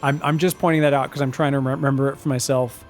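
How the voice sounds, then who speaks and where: A man casting a strategy game on his own, excitable on big plays and analytical in replays, his voice phlegmy after being sick. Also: mid-range voice, fast, soft background music. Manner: excitable, shouts on big plays, then breaks down mistakes. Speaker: esports caster. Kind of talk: solo game commentary.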